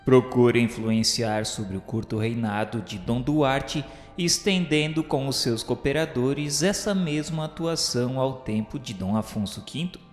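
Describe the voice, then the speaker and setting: A man with a Brazilian accent narrates a radio drama in a solemn, measured way. His medium-pitched voice carries formal, literary phrasing. It rings with heavy echo, and music plays behind him. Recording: echoey hall-like reverb with music.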